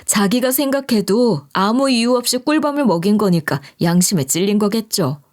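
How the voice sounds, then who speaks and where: A woman reading a first-person story aloud in an expressive, conversational narration style. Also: medium pitch, normal speed.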